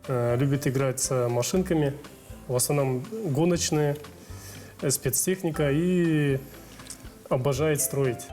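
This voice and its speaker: A man's voice: medium pitch, a little slow, long pauses, dark tone, soft background music. A man answering casually and a little hesitantly as a guest father on a children's show.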